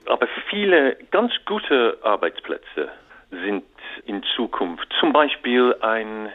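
Halting man on a tinny phone line. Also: mid-range voice, very animated. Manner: halting non-native German with repeated restarts and English fillers. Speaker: author and interview guest. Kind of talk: radio interview.

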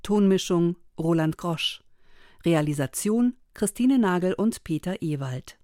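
A woman's voice: on the low side, expressive, measured pace, mellow, no echo. A woman reading scripted radio credits as an announcer in a studio. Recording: dry studio, faint music behind.

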